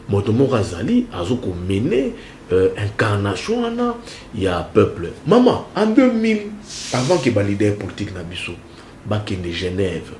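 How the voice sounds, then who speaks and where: A Congolese man with a fairly low voice speaks French with a Congolese accent. His pitch rises and falls dramatically as he hammers home a point and repeats phrases. The room is echoey, with a faint hiss behind him. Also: darkish tone. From Central Kongo, DR Congo. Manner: emphatic, repeats phrases, mixes French and Lingala. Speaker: political analyst guest. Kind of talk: animated interview answers.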